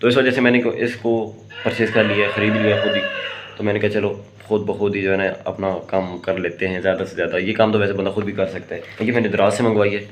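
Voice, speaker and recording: A hoarse man talks to camera in a loose, rambling vlog style, pausing on fillers and restarting sentences. His voice sits fairly low, and a faint hiss runs behind him. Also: level tone. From Pakistan. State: hoarse from a sore throat. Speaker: vlogger. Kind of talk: casual vlog talk to camera.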